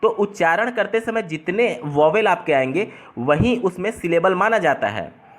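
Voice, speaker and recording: A man with a somewhat high voice tutors his way through an exam paper. He explains step by step and rephrases each term in plainer words. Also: lively intonation, moderate pace. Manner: explains step by step, restating terms in simpler words.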